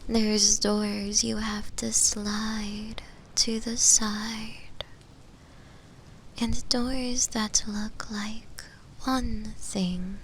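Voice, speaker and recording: Slow whispering shadow demon played by a woman. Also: poor audio. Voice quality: breathy, unvoiced whisper. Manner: slow, hesitant, musing, with pauses. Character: flirty, possessive female shadow demon, musing and uncertain. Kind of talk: whispered ASMR roleplay audio. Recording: close whisper with low rumbling noise.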